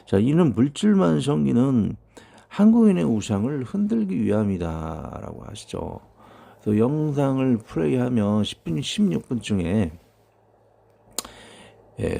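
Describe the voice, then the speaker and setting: A man's voice: mid-range voice, very animated, a little slow, gravelly, dark tone. A man in his fifties preaching a sermon, reading out prophecies and commenting on them in a loose, conversational way with many fillers. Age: 50s. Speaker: pastor.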